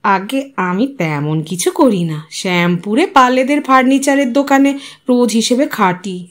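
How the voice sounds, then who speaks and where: A woman's voice: fairly high pitch, animated. A woman voicing a poor, humble village carpenter, a grieving father who mumbles meekly and deferentially. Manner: meek, halting mumble.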